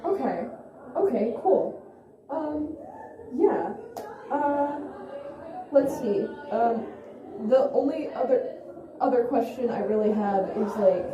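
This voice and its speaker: A woman playing an awkward, hesitant young amateur investigator who talks haltingly in a found-footage vlog. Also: medium pitch, dull audio, close to an everyday voice. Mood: tentative. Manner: halting, hesitant, full of restarts. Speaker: video host and interviewer. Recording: roomy echo, faint noise, handheld camera.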